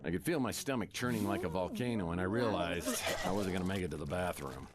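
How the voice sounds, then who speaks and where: An actor playing a deadpan, self-deprecating, down-on-his-luck male private eye in a noir detective game. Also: low-pitched, quick pace, a loud crowd, lightly acted. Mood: rueful storytelling.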